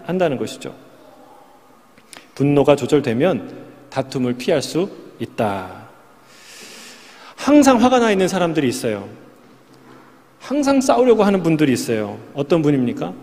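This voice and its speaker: A man's voice: a little high, darkish tone. A male pastor preaching a Sunday sermon, talking conversationally and putting rhetorical questions to his congregation. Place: church sanctuary. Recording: reverberant church hall.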